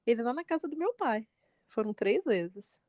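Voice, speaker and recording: A woman in her forties, a mother co-hosting a podcast, telling a family story in lively chat and jumping up in pitch when she quotes people. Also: normal speed, dry recording, studio quality. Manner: animated retelling, quotes her son with pitch jumps.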